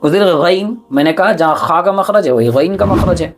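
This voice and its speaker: A man teaching Quran letter pronunciation, explaining where each sound is made and repeating every letter sound slowly several times. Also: sits high, soft background music.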